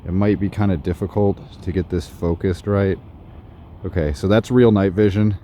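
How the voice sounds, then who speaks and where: A man reviewing gear in a casual night vlog, walking outdoors in a suburb and talking excitedly about what he sees. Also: low-pitched, moderate pace, slight background noise. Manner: excited, narrating while walking. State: slightly out of breath.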